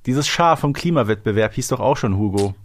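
A man's voice: medium pitch, expressive, brisk, a little hiss or hum. A man co-hosting a podcast in casual, wry review chat. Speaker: podcast co-host.

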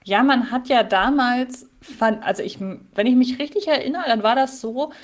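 A woman's voice: on the high side, normal speed. Hesitant woman podcast co-host thinking aloud. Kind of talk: casual podcast chat.

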